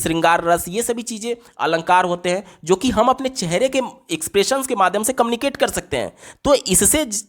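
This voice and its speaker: A man, explaining exam questions as a test-prep teacher, reading English options slowly before explaining them. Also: sits high.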